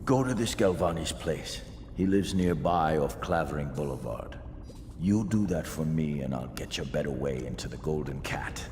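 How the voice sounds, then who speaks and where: An actor playing a gruff, shrewd middle-aged street gang boss in a video game, with a gravelly voice and a sly, streetwise drawl. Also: male voice, a bass voice, animated, normal speed. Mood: sly, sizing up. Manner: sly, folksy streetwise drawl, ungrammatical slang. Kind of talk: video game character dialogue. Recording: echoey reverberant hall with background noise.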